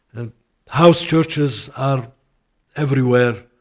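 A man with an Arabic accent at a medium pitch and a fairly slow pace. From Lebanon. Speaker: pastor and ministry leader. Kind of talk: sermon-style presentation. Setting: church.

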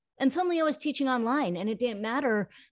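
With an American accent, a woman talks in a fairly high pitch and a normal speaking voice against a quiet background. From New York, US. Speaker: yoga teacher. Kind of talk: casual chat. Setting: remote call.

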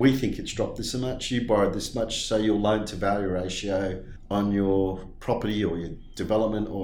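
With audible room echo, a man talks in a fairly low voice at a fairly quick pace. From Australia, Brisbane; born in Leeds, England. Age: 50s. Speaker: finance company co-founder. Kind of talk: interview.

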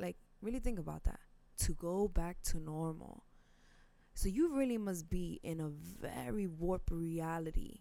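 A woman speaks with a New York accent, her pitch fairly low and her tone dark and mellow. She sounds passionate, going at a fairly slow pace with ordinary pitch variation. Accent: heavy New York. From New York, Queens. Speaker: podcast host. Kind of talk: solo monologue. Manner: passionate, conversational.

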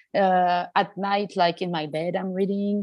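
In a French accent, a woman speaks at medium pitch and a moderate pace. Her intonation is fairly even, and the recording is very clean with a silent background. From France. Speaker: bookshop owner. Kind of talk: interview.

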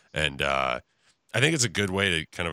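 A man with an American accent talks at a fairly quick pace in a bright, sharp tone with vocal fry, on a very clean recording with a silent background and a dry, close sound with no echo. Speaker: podcast co-host. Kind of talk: casual chat.

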